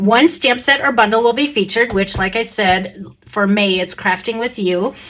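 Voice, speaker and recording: Speaking at a moderate pace, a woman with a fairly high pitch talks with an American accent. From Minnesota. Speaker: papercraft demonstrator. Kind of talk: craft tutorial. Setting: home craft room. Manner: chatty, friendly.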